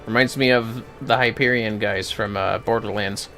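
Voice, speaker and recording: A man's voice: fairly low pitch, fairly even intonation, moderate pace, pushed and bright, soft background music. A man livestreaming a video game with casual, irreverent commentary, swearing and tossing in jokey asides. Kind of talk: casual play-by-play commentary, reading dialogue aloud.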